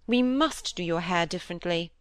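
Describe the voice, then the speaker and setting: A woman's voice: on the low side, lively intonation, smooth, no echo, lightly acted. A woman reading aloud and voicing a vain, chattering middle-aged stepmother who gushes and fusses. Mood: gushing. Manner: gushing, fussy, quick to dismiss. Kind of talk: audiobook character voice.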